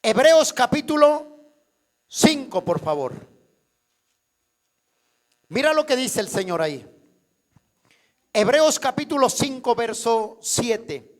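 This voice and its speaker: A male pastor delivers a sermon in a church, his voice pitched remarkably high for a man. He preaches at an unhurried pace, stretching out key words. He keeps throwing questions to the congregation so they will answer back. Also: big pitch swings. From Colombia.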